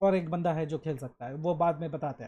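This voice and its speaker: The pace is moderate. The speaker is a man. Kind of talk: match analysis commentary. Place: home room.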